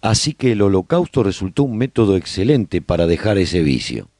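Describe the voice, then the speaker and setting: A man playing a nostalgic survivor who chronicles colony life in a radio serial, with measured, expressive storytelling. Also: deep voice, no room sound, clean studio sound. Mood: nostalgic, reflective. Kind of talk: scripted first-person radio drama narration.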